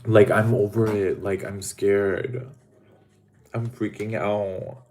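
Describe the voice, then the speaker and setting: A man hosts a casual livestream and chats to viewers in a camp, dramatic way, stretching out his words. He talks slowly in a lowish voice. Now and then he pauses to eat. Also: little pitch movement, darkish tone. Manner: eating while talking. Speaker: livestream host.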